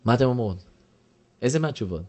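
A man's voice: medium pitch, lively intonation, a little mellow. A man giving a lecture to a class and asking the audience questions. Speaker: teacher.

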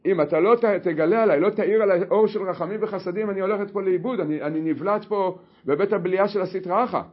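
A man's voice: high voice, highs cut off, voice pushed up. A man voicing a desperate pleading young queen. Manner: pleading, raised and loud.

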